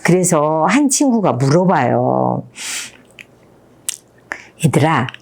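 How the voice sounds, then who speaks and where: A woman's voice: fairly low pitch, a little slow. A woman in her fifties, a teacher, talks through a picture book and keeps asking her listeners questions. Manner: animated storytelling, asks the audience questions. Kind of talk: picture-book talk to an audience.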